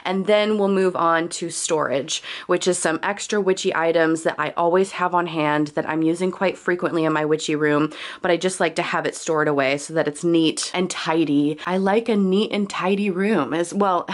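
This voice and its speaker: A woman's voice: fairly low pitch, steady tone, moderate pace. Congested young woman giving a chatty tour. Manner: chatty, thorough, laughs often. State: congested from a cold. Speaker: occult vlogger. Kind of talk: casual room tour narration. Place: home bedroom.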